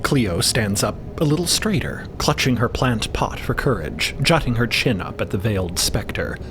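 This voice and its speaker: Male narrator for fantasy audio drama: low register, scripted storytelling, rumbly atmospheric background. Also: normal speed, noisy background. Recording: steady rumbling ambience under voice.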